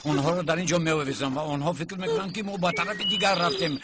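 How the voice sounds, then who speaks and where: A man in a dubbed drama, urgently ordering a woman to keep quiet and follow him. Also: a little high, steady tone, background noise. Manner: urgent, commanding, exasperated. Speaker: bodyguard escorting a bride through a forest.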